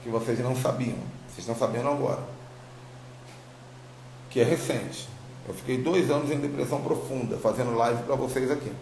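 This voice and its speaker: A man's voice: medium pitch, creaky, darkish tone. A Brazilian man with a slight tongue-tie giving an informal spiritual testimony to online followers as a preacher, telling it emphatically and repeating phrases. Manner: informal, emphatic storytelling with repetition. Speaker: apostle, religious teacher. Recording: roomy echo, faint background noise.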